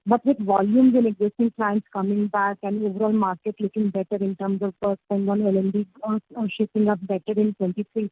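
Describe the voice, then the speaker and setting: A woman's voice: mid-range voice, little pitch movement, brisk, hardly any pauses, breathy edge, no echo. A female analyst putting questions to management on an earnings call, heard over a phone. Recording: muffled, narrow phone line.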